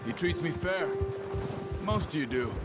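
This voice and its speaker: An actor playing a wary, self-reliant Western outlaw tracker in a video game, terse and plain-spoken, with an American accent. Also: male voice, fairly high pitch, animated, unhurried. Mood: frank, reflective. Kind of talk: video game character dialogue. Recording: loud music behind the voice. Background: loud game music.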